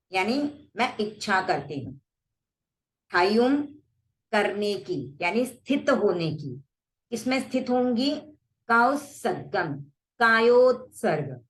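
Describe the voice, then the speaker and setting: A woman teaching a prayer recitation, explaining it and then saying it slowly word by word so listeners can repeat. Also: fairly high pitch, reverberant. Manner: slow, deliberate word-by-word recitation with pauses for repeating.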